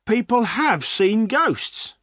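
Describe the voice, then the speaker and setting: A man's voice: sits high, sing-song, slow, bright, forceful tone, no echo, studio quality, pitched above the performer's own voice, full character voice. A man voicing an emphatic village butcher who insists ghosts are real. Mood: insistent.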